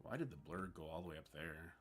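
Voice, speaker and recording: A man from Newfoundland with a Newfoundland accent, hosting a casual livestream. He reads on-screen text aloud haltingly and chats with his viewers. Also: rumbling low, animated, slight background noise. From Newfoundland, Canada. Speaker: livestream host.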